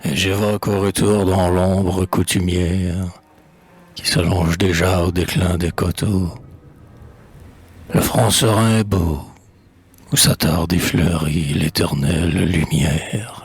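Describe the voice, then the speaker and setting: A man reciting poetry in a solemn, dramatic style, with measured phrasing and a husky, gravelly voice that drops into breathy near-whispers. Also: low-pitched, fairly even intonation, dry recording. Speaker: poet reading poems aloud.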